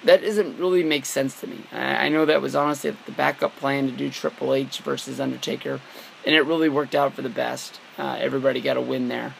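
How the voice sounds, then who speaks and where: Hoarse, gravelly-voiced man rambling casually. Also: mid-range voice, little pitch movement, a little fast. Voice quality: scratchy, worn-out voice. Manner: rambling, many fillers and restarts. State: hoarse from a long weekend. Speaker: wrestling vlogger. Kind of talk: casual talk to camera.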